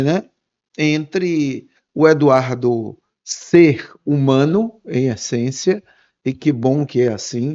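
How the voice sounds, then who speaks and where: A man's voice: medium pitch, darkish tone, dull audio. A man hosting an interview, asking long, winding, appreciative questions with frequent fillers. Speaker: interview host.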